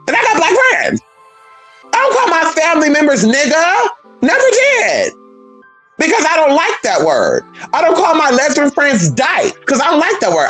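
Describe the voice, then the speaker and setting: A trans woman vlogging a blunt, profane, sassy rant in an emphatic, animated way. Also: high voice, rough recording. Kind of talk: casual vlog rant.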